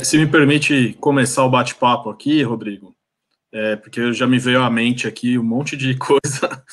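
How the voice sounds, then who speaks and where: A man's voice: medium pitch, fairly bright tone. A Brazilian man, a lawyer turned entrepreneur, talking on a panel in a friendly, hesitant way, tagging phrases with "né?" and "tá?". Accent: Brazilian Portuguese. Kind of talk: panel discussion, conversational.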